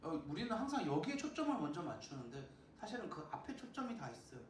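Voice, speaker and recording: A youth pastor with a sore throat, preaching a sermon to students and often asking them questions. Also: male voice, on the high side, quick pace, a little hiss or hum. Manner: lively, asks the listeners questions, acts out voices. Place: church sanctuary. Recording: echoey church, mic at a distance.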